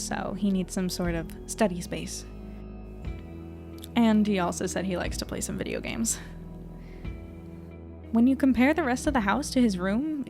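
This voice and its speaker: Audio drama reporter, actress playing young woman, mid-pitched, self-mocking and hesitant, music underneath. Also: gravelly, darkish tone, lightly acted. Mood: musing. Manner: wry, rambling, hesitant. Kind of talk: audio drama acting, intimate diary monologue.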